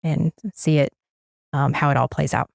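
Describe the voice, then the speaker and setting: A woman's voice: sits low, steady tone, normal speed, creaky, dry recording, clean studio sound. A young woman, a mother, giving an earnest interview testimonial, often repeating words as she searches for them. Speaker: guest, parent of a toddler.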